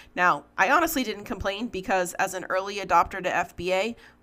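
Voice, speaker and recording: The speaker has a New England accent and lively intonation. The tone is bright and sharp, at a moderate pace. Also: woman. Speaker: online course instructor. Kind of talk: tutorial. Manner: conversational.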